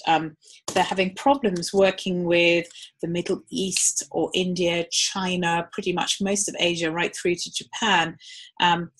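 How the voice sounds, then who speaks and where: A woman giving a live webinar talk in a conversational way, with frequent ums. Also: on the low side. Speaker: webinar presenter.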